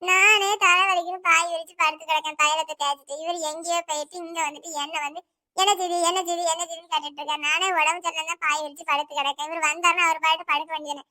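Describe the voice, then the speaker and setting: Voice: extremely high pitch, flat delivery, rapid-fire, pushed and bright, exaggerated voice. A performer voicing a tearful, put-upon young village wife in a cartoon, complaining in a Tirunelveli accent. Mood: plaintive. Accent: Tirunelveli Tamil. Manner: plaintive, complaining. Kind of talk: cartoon voice acting.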